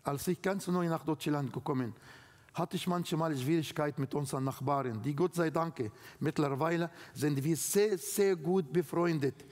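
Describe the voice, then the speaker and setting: A man with an Arabic accent preaching a sermon in slow, emphatic, non-native phrasing, speaking in a church hall. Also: on the high side, a little mellow. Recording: long hall reverb.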